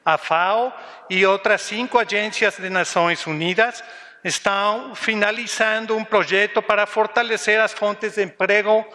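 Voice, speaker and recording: A man's voice: high-pitched, fairly even intonation, bright, forceful tone. Man reading a speech in a hall. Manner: measured reading with some restarts. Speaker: UN agency representative. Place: large hall. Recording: distant mic in a reverberant hall.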